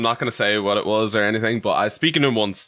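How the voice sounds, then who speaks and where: This man has an Irish accent and a bright, sharp tone. He speaks at a very fast pace on a very clean recording with a silent background. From Ireland. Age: 20s. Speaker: gaming streamer. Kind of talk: casual chat. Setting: live stream. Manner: animated.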